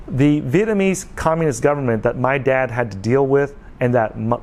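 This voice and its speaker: A man in his forties talking casually to his viewers, earnest and repetitive, often checking in with "okay.". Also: medium pitch. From United States. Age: 40s. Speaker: vlogger. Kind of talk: casual talk to camera.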